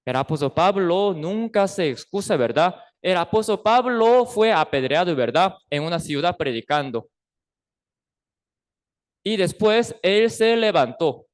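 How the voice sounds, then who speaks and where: A man's voice: sits high, expressive, unhurried. A Costa Rican man preaching a sermon, constantly asking the congregation rhetorical questions and acting out the people in his stories. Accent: Costa Rican Spanish. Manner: acts out quoted figures in a raised voice. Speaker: pastor. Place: church.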